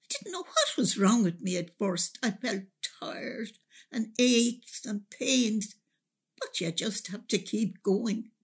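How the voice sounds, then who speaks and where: Woman playing a husky, slow-talking older Irish mother. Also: mid-range voice, exaggerated voice. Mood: grave recollection. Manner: slow, reflective, expressive. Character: older Irish mother recalling wartime hardship, wistful and resilient. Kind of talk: radio drama monologue, reminiscing storytelling.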